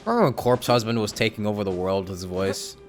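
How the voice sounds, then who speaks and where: A man's voice: lowish voice, fast talker, faint music behind. A man casually streaming a video game live, reacting aloud as he plays.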